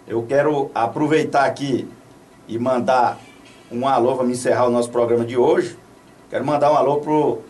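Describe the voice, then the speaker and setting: A man, hosting local radio in an outspoken, colloquial, repetitive way. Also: on the high side. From Brazil. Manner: colloquial, outspoken, repeats himself. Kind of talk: informal radio commentary and shout-outs. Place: small radio studio. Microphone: studio boom microphone off to one side, headphones. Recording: slightly distant from the microphone.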